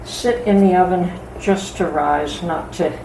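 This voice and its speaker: A middle-aged woman hosting a homestead vlog, chatting calmly and thoughtfully from her home kitchen. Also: lowish voice. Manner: calm, unhurried, thoughtful with pauses. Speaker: homestead channel host. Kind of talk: casual kitchen vlog chat. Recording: echoey room with noticeable background noise.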